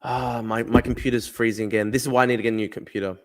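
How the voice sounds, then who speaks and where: A man's voice: medium pitch, fairly even intonation, racing. A young man hosting a casual livestream, answering chat bluntly, swearing and repeating himself. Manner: blunt, argumentative, swears freely, repeats phrases. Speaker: livestream host reading chat.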